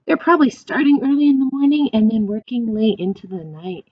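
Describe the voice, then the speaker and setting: A woman doing a children's read-aloud as a teacher, explaining things in simple questions and animated, encouraging asides. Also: a little high, a little fast, no echo, lo-fi sound.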